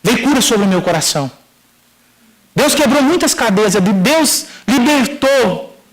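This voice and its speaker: A middle-aged Brazilian pastor with a notably high-pitched voice delivers a sermon testimony. He acts out the dialogue in the story and speaks straight to the listeners, calling them brothers. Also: lively intonation, measured pace, poor audio. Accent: Brazilian Portuguese.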